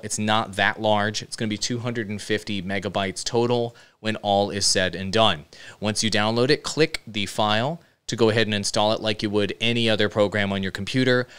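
A man giving casual step-by-step software instruction into a close broadcast microphone. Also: on the low side, clear, resonant tone. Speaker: software tutorial host. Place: indoor streaming room. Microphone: close dynamic broadcast microphone with headset monitoring.

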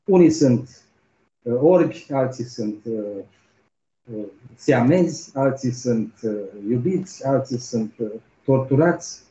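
Keynote lecturer, male, very dark mellow voice; storytelling delivery with rhetorical asides, roomy hall sound. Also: medium pitch, animated. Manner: storytelling with frequent rhetorical "nu?" tags. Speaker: keynote speaker. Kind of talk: academic lecture, retelling a story. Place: conference hall. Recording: roomy, dull lo-fi lecture recording.

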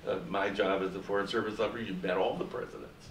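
Deep-voiced older man advising students. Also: fairly even intonation, fast, a bit bright, slight background noise. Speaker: former Foreign Service officer, panelist. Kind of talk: panel talk. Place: university seminar room. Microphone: far camera. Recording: echoey room from far off.

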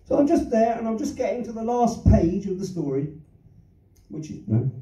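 An older man, raised in London, works through a stand-up set with a wandering, self-mocking delivery and an animated, swooping pitch. His voice is dark and mellow. It is caught from out in the audience, so it sounds distant, roomy and a little dull. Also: normal speed. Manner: rambling anecdotes with self-deprecating asides and chuckles. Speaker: stand-up comedian. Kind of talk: stand-up routine. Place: small theatre stage. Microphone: handheld mic, filmed from the audience.

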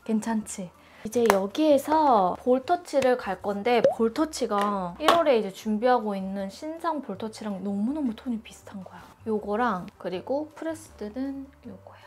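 A woman's voice: fairly high pitch, lively intonation, moderate pace, hardly any pauses, a little mellow. Chatty woman doing a makeup tutorial. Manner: chatty, informal, step-by-step explaining. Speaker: beauty YouTuber.

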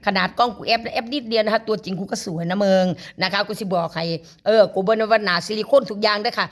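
A woman's voice: medium pitch, quick pace. A woman in her late fifties with an Isan accent, hosting a live stream and ranting angrily with crude insults and swearing, her voice a little worn from overuse. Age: 50s.

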